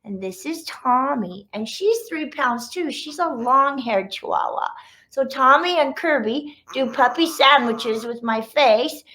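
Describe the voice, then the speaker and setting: A woman with a high-pitched voice speaks as a children's author to young listeners. She is chatty and informal, explaining things simply and directly. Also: a bit bright, poor audio. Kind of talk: casual talk to children after a read-aloud.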